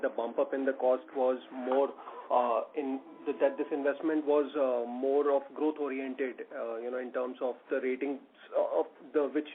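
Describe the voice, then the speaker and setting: A man with an Indian accent, a company executive answering earnings-call questions in a halting, careful way. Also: medium pitch, a little hiss or hum. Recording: muffled tinny phone conference line.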